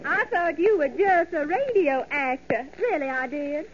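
A giggly young Southern belle who gushes in a slow drawl. Her voice sits very high and lilts widely, heard through a dull, hissy old radio broadcast. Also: animated. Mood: gushing.

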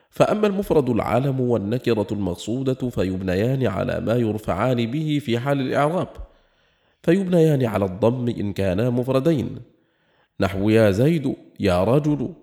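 A man giving a formal reading of a classical grammar treatise. His recitation is measured, and he slows down on each quoted example. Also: medium pitch, dark tone. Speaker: reader of a classical grammar text.

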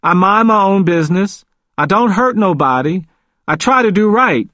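A man's voice: high-pitched, big pitch swings, normal speed, fairly bright tone, dry recording, clean studio sound, voice pushed up. A man voicing a confused, vulnerable elderly man in an audiobook, emphatic and repetitive, with folksy grammar. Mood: mournful, agitated. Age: older. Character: confused, frightened elderly man pleading in hospital.

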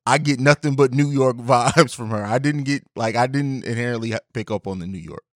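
A man's voice: medium pitch, fairly quick, dry recording, studio quality. A man hosting a podcast, chatting casually, hesitant and often correcting himself, laughing easily. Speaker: podcast host. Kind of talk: casual conversation.

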